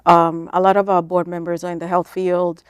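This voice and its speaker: A woman's voice: fairly low pitch, level tone, moderate pace, clean tone, no echo, clean studio sound. A woman from Kenya answering interview questions in an informal, explanatory, conversational way. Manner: informal, explanatory, frequent "like" and "you know". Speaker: interview guest, nonprofit founder.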